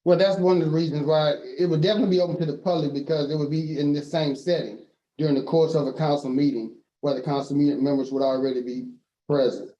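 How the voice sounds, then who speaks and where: Male meeting chair, mellow, slightly high voice, casual procedural talk, muffled lo-fi audio. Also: steady tone, fast. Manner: conversational, procedural, some restarts. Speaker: council chair.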